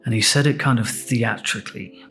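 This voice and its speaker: English male host, mid-pitched, candid storyteller, faint music bed. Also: fairly bright tone. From England. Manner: reflective, candid, unhurried recounting. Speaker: podcast host. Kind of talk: personal storytelling monologue.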